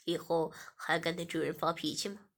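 A woman voicing a domineering, teasing man in an audio story, speaking low and mockingly. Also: level tone, moderate pace, a bit bright.

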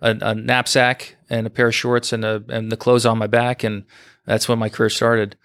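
Smooth, even-toned man in his forties. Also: medium pitch, normal speed, no room sound, clean studio sound. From United States, New York. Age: 40s. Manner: steady, modest storytelling with frequent fillers. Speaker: guest, former fighter pilot. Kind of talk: casual podcast interview.

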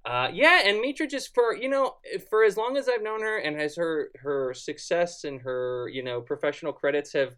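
A man's voice: a little high, animated, moderate pace, few pauses, smooth. A man with an Ohio accent co-hosting a podcast in casual, rambling chat full of fillers. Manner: rambling, warm praise with many fillers. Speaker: podcast co-host.

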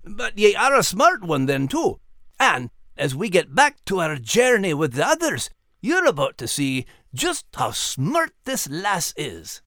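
A man's voice: sits high, wildly swooping pitch, unhurried, fairly bright tone, dry recording, clean studio sound, voice pushed up, heavily acted. A man voicing a friendly, earnest dog with a folksy Scottish accent, hosting a children's animal story. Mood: fond, admiring. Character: friendly, plain-spoken male Scottish dog. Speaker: podcast host character.

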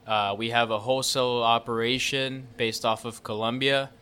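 A man in his thirties, from Mexico, talks as a guest in a relaxed interview. His voice is bright and clear, at a middle pitch. He speaks plainly and often repeats words as he gets going. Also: moderate pace. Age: 30s. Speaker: guest, real estate entrepreneur. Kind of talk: casual interview.

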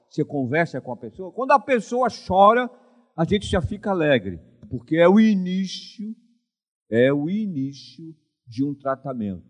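An older man, preaching a sermon as pastor and often asking the congregation for an amen. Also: fairly high pitch. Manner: animated preaching with frequent call-and-response questions to the congregation.

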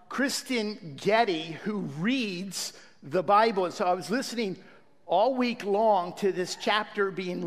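High-voiced pastor in a reverberant church. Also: male voice. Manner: warm pastoral address with fillers and restarts. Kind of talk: church sermon introduction and prayer. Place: church sanctuary.

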